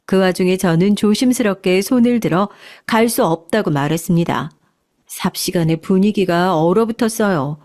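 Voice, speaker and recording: A woman narrating a first-person story in a calm, measured way. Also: mid-range voice.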